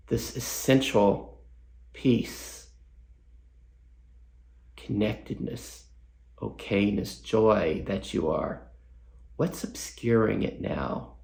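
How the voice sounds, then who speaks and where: Slow, gravelly man guiding meditation. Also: fairly low pitch, reverberant. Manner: slow, soft and unhurried, full of pauses and gentle questions. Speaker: meditation teacher. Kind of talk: guided meditation.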